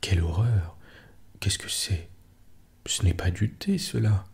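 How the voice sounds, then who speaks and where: A man softly voicing a disgusted little girl in a storybook reading. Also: sits low, takes it slowly, gravelly, slightly rough, heavily acted. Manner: softly read, hushed.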